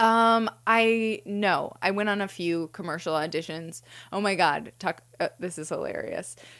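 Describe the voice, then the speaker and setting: A woman speaks in an ordinary speaking voice at a medium pitch, with ordinary pitch variation and a fairly slow pace. The recording is very clean, with a silent background. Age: 30s. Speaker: comedy writer and podcast host. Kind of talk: casual chat.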